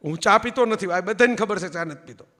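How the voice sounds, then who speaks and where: A man with a high, brisk voice, pushed and bright, speaks in an event hall where a long reverb tail trails his words. He's a public speaker addressing an audience, spinning anecdotes, acting out the voices he quotes, and checking in with listeners by asking "barabar?"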